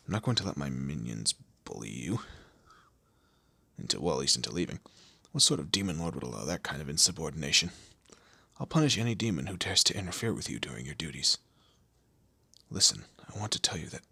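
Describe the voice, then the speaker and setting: A man playing a commanding, teasing demon lord in an audio roleplay, with a low gravelly, husky voice and an imperious, theatrical manner. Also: sharp tone, no room sound, full character voice. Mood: teasing, smug. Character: male demon lord, commanding, menacing, teasing boss of hell. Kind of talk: scripted audio roleplay addressed to the listener.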